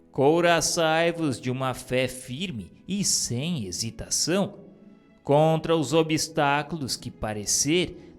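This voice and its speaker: Male reader, slightly high voice, very slow solemn formal reading, faint music underneath. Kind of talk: solemn reading of a spiritist text.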